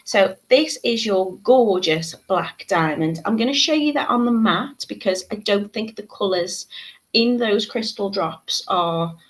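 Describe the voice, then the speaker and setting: A woman's voice: mid-range voice, lively intonation, unhurried. Chatty woman with a slightly congested voice. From United Kingdom. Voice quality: chatty, many ums and asides. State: congested, a little croaky. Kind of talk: live craft tutorial, chatty.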